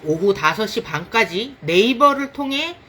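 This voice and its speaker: Female livestream host, upbeat and announcing, with a lively melody. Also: mid-range voice, unhurried, husky. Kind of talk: casual livestream hosting.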